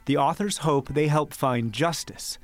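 A man, a news correspondent, narrating a scripted TV news report in a measured, even way. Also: a little high, faint music behind.

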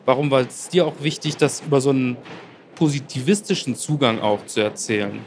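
A man's voice: medium pitch, fairly quick, slight background noise. Engaged male podcast interviewer. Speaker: podcast host. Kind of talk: interview questions.

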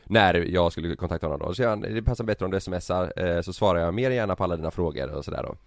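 Low-voiced man telling a story. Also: no room sound, studio quality. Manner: animated anecdote telling with laughs and quoted dialogue. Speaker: podcast host. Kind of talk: casual storytelling chat.

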